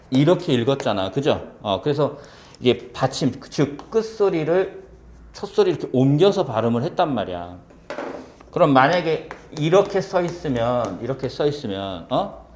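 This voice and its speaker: Lively Korean lecturer, animated pitch. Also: male voice. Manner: lively, asks many rhetorical check questions. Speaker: civil service exam Korean teacher. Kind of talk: classroom lecture.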